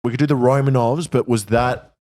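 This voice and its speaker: A man's voice: mid-range voice, fairly even intonation, a little fast, darkish tone, dry recording. A male streamer co-host in casual chat, offhand and a bit mumbly, with dry jokes.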